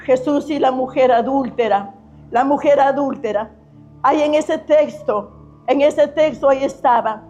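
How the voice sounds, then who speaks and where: A woman's voice: high voice, warm tone. A middle-aged woman tells her personal faith testimony in an earnest, repetitive way, often restarting her sentences. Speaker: testimony giver. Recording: slightly muffled recording with faint music.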